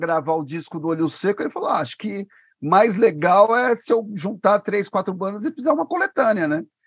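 A man's high-pitched voice, dry and close with no echo. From Brazil, São Paulo (Vila Carolina). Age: 60s. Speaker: punk musician. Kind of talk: casual chat. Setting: live stream.

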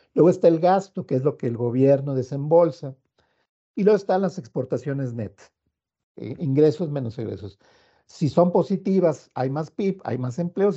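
A man with an ordinary speaking voice, fairly high in pitch, with lively intonation at a moderate pace. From Mexico, San Luis Potosí. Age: 60s. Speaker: economics professor. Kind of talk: interview.

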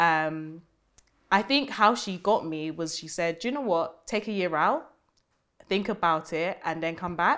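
An ordinary speaking voice with lively intonation at a fairly slow pace, on a very clean recording with a silent background. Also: woman, fairly low pitch for a woman. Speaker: graduate student. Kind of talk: casual chat.

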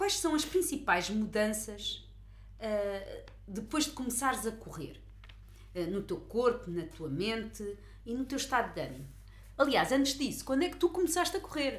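In a room with audible echo, a woman speaks at a moderate pace with a high pitch that swings very widely. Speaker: podcast host. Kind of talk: interview. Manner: formal.

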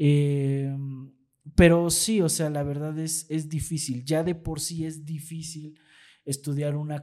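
A man with a fairly high pitch, a dark, mellow tone, monotone, flat intonation and a very slow pace. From Veracruz, Mexico. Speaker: chess content creator. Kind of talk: casual chat. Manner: halting.

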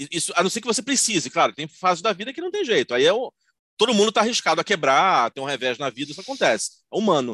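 A man speaks at a very fast pace in a raised, projected voice with a bright, sharp tone. His high pitch makes very wide swings, and the sound is dry and close with no echo. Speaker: podcast co-host. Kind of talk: casual chat. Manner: talkative.

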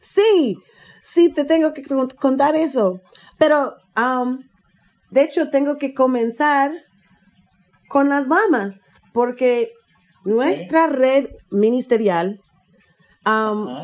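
This woman speaks at a very slow pace with long, frequent pauses. Her pitch is high and her intonation lively. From US South, rural southern Florida. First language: English (speaking Spanish). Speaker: worship singer and minister. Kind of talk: casual interview about faith.

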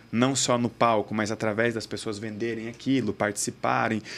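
The recording is very clean, with a silent background. A man with a normal speaking voice talks at a medium pitch and a fairly quick pace, his intonation fairly even. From Brazil, raised in Cuiabá, Mato Grosso. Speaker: therapist and speaker, entrepreneur. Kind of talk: podcast interview. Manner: casual, slangy.

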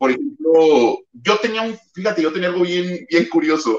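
His pitch swings very widely up and down. The man keeps to a fairly slow pace. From Chihuahua, northern Mexico. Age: 30s. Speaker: booktuber. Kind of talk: live-stream interview. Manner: skilled, trained voice use; energetic.

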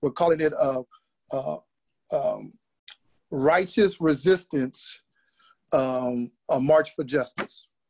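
A man's fairly high voice, very slow with long, frequent pauses and ordinary pitch variation, in a dry, close sound with no echo. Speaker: guest, listener of the song. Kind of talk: casual chat. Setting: video call.

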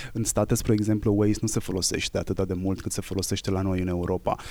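In a monotone, flat delivery, a man speaks with a fairly low pitch and a dark, mellow tone. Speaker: podcast host. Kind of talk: casual interview. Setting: outdoors on a terrace.

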